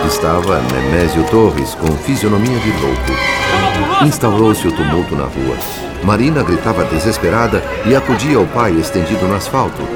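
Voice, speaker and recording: A man with a Brazilian accent narrating a radio soap as a solemn witness, grave, theatrical and measured. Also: low-pitched. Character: solemn male spirit narrator recounting a tragedy.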